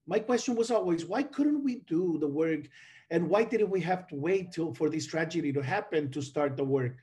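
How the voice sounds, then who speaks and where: A middle-aged man from the Dominican Republic presents to an online conference over a video call. His voice sits a little high for a man but sounds mellow and warm, and he speaks haltingly, full of fillers and restarts. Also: expressive. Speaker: conference panelist.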